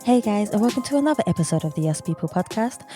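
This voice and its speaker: A woman's voice: mid-range voice, animated, fast, music in the background. A woman hosting a podcast interview, earnest and effusive as she asks her guest questions. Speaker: podcast host.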